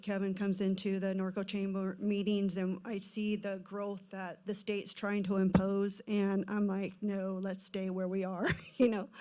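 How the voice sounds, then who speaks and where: A woman's medium-pitched voice, dark and mellow, with monotone, flat intonation at a moderate pace over a quiet background. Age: 60s. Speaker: commission applicant, business owner. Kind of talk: public comment at city council meeting. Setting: city council chamber.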